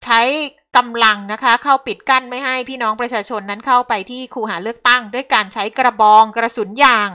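A woman's voice: fairly high pitch, steady tone, brisk, hardly any pauses, pushed and bright. A woman commenting on the news in a talk show, polite at first and growing heated and emphatic.

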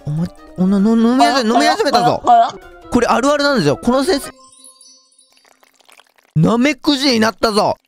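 Excitable young man playing a game. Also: very high-pitched, normal speed, pauses often, faint music behind. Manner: excitable, jokey, talks to viewers. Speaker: gaming YouTuber. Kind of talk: game commentary.

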